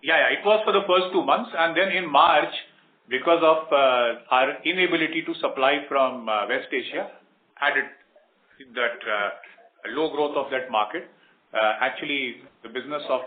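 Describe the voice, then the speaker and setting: Indian male executive, mid-pitched, explaining business results on a roomy, phone-like conference line. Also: normal speed. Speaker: company executive answering analysts. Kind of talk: earnings call answers, explanatory business talk. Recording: roomy, muffled low-bandwidth conference line.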